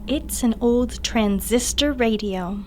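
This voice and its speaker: Woman playing sweetly menacing, high-voiced ageless teenage girl. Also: noisy background. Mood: coy, sinister. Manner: coy, musing, unhurried menace. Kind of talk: radio play acting. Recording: music bed under the voice.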